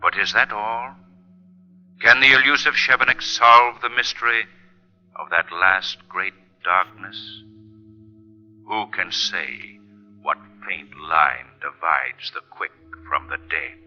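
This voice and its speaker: An actor playing an ominous, mocking mystery narrator in a 1940s radio drama, with slow, portentous, theatrical phrasing. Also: male voice, sits low, pushed and bright, full character voice. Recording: dull old radio, organ music behind.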